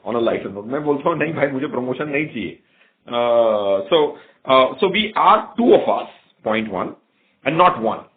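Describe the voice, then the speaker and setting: A man's voice: medium pitch, lively intonation, rapid-fire. A man with an Indian accent, a company executive answering investors in a rambling way with repeated phrases on an earnings call. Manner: rambling, repeats phrases, switches between English and Hindi. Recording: narrow-band conference call audio.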